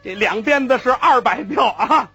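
A man voicing a crafty, vengeful old male cart driver who haggles in a drawn-out, gleeful way. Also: very high-pitched, lively intonation, bright, forceful tone, slightly rough, soft background music, exaggerated voice. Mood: sly.

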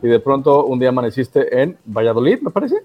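A man's voice: mid-range voice, sing-song, quick pace, phone-quality sound, faint music behind. A man interviewing a guest in a casual, teasing chat. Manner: teasing, joking. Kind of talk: casual conversation.

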